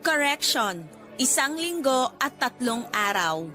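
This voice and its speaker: A flippant, defensive young woman with a Filipino accent in a radio drama. Her voice sits high and bright, throwing out sassy retorts. Soft music plays underneath. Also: very animated, slow, exaggerated voice. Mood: defiant. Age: 20s. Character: defiant, flippant single woman nearly thirty, freshly heartbroken. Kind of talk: Tagalog radio drama acting.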